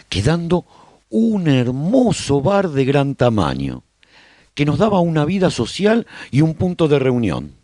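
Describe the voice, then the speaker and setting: Radio play: a hopeful survivor announcer, swooping expressive delivery, a touch of rasp, measured pauses. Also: male voice, mid-range voice, no echo. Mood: fond, upbeat. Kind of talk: scripted radio drama narration.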